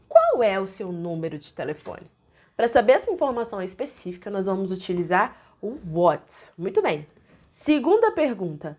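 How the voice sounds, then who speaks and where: Brazilian woman, young adult, English teacher; lively, emphatic lesson delivery with a wide pitch range. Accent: Brazilian Portuguese. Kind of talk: online lesson.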